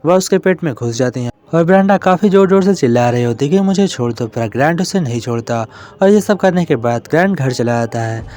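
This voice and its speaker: A man with a slightly raised pitch tells a movie's plot as a recap narrator. He keeps a plain storytelling delivery and piles on emphasis words. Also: darkish tone. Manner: plain storytelling, leaning hard on intensifiers.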